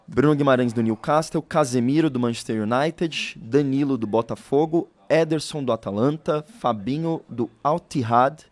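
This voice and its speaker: A man, a radio co-host, reading out a long list of names in a steady, brisk way. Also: medium pitch.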